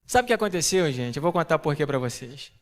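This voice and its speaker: A high-voiced man preaching a personal testimony to a congregation. His voice is smooth and resonant, and he tells the story in an animated way, jumping up in pitch to act out the family dialogue. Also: fast talker. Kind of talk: sermon testimony to a church audience.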